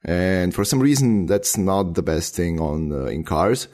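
Very deep-voiced hesitant man, non-native speaker. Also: darkish tone. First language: not English. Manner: hesitant, many filler pauses. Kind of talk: casual tech chat.

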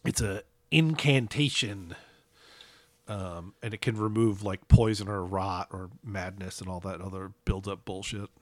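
A man's voice: low-pitched, measured pace, no room sound. Male co-host, easygoing, a bit congested, laughs easily, close dry sound. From New Hampshire. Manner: laid-back, laughs often. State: stuffy nose. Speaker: podcast co-host. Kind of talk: casual chat about games.

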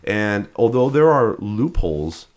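A man with a fairly low voice talks through ideas in a loose, rambling way. He restarts sentences and leans on fillers as he chats with a co-host on a podcast. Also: very animated, a little slow, darkish tone. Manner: rambling, many restarts and fillers, laughs at odd names. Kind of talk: casual chat.

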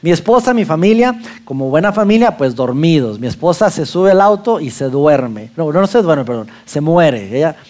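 A man with a Mexican accent telling a lively personal anecdote to an audience, acting out his own lines as he goes. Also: fairly high pitch, normal speed, hardly any pauses.

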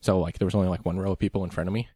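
A man's voice: deep voice, little pitch movement, rapid-fire, warm tone, slightly rough, dry recording, studio quality. A man losing his voice a little, chatting casually and rambling a bit as a podcast co-host. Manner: rambling, laid-back, lots of ums. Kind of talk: casual chat recapping a race.

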